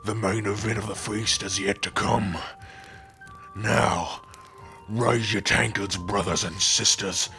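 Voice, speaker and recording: A man voicing a scheming, mocking older orc chieftain with a rough, gravelly voice, theatrical and boastful, in an ASMR roleplay. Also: lowish voice, fairly even intonation, slow, pushed and bright, faint music behind, exaggerated voice.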